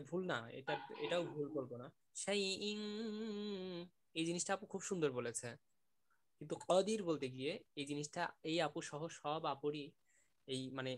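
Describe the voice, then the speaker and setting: Online teacher, male, slightly high voice, warm patient corrections. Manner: gentle, encouraging, repeats sounds to demonstrate. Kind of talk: online class feedback.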